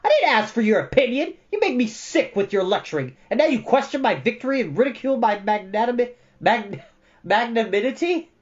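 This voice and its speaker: Narrator as proud young boy, high, forceful, imperious, short-tempered, fantasy storybook, muffled recording. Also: very animated, fairly quick, close to an everyday voice. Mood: furious. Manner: imperious, loud, impatient. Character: proud, hot-tempered, commanding boy hero.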